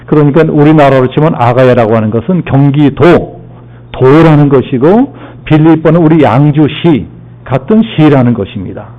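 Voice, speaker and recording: Korean pastor preaching, lo-fi sound. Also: male voice, fairly high pitch, normal speed. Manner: repeats key phrases, asks and answers his own questions; leads congregation in call-and-response and Bible lookup. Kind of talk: sermon. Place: church sanctuary.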